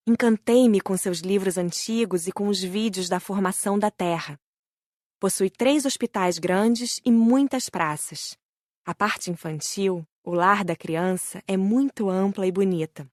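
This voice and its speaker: A woman with a Brazilian Portuguese accent reading a spiritual book aloud as a first-person narrator, gentle and admiring. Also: mid-range voice, dry recording, studio quality. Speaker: audiobook narrator.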